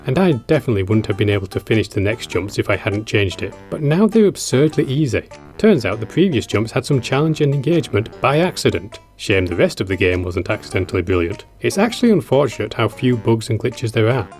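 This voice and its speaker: A man's voice: medium pitch, very animated, brisk, hardly any pauses, a little mellow. A man narrating a scripted game review as a scathing, drily sardonic critique. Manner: dry, sardonic humour. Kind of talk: scripted video essay narration. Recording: music behind the voice. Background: background music.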